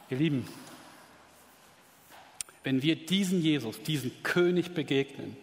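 A man preaches a sermon in a somewhat high voice, leaning hard on key words and climbing to excited peaks before dropping low again. The long reverb of a church hall rings around every phrase. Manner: emphatic, rising to excited peaks.

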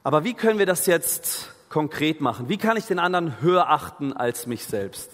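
A man's voice: on the high side, animated, normal speed, long reverb tail. A man preaching a sermon in an earnest, conversational way, asking the listeners questions. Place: free church hall.

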